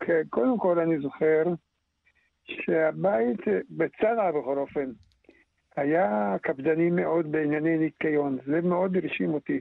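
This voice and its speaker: A man with a fairly high pitch speaks at a fairly slow pace, using lively intonation and very even loudness with long, frequent pauses. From Yemen, Sanaa, then Israel from age 10. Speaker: retired teacher and scholar. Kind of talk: interview testimony.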